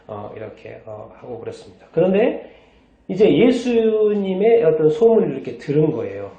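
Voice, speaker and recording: A man's voice: on the high side, dark tone. A male pastor preaching a sermon, asking the congregation questions and then answering them himself. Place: church sanctuary. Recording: distant, echoey, dull church recording.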